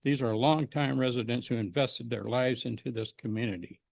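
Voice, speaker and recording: A man's voice: mid-range voice, moderate pace, vocal fry, no room sound. A man in his seventies with an American accent, giving an earnest, emphatic prepared speech as a resident at a public meeting. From United States, Pacific Northwest. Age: 70s.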